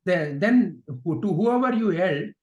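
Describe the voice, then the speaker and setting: A man's voice: high voice, expressive, normal speed, lo-fi sound. A man giving a spiritual discourse, asking rhetorical questions and repeating phrases for emphasis. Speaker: spiritual teacher. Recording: echoey room sound.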